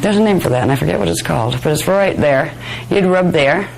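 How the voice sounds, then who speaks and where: Female workshop instructor, lowish pitch, a little hoarse, conversational delivery, faint noise in the recording. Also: animated, fast talker, poor audio. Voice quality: slightly hoarse, raspy. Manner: conversational, chatty, self-deprecating asides. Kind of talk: informal workshop lecture with demonstration. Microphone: worn or held microphone close to the face.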